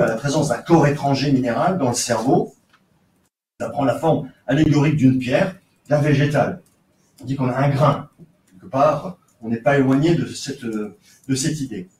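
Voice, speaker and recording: A man's voice: fairly high pitch, a little mellow. A man giving an academic seminar lecture as an archaeologist, explaining with frequent hesitations and fillers. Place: lecture room. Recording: roomy, distant lecture recording with faint noise.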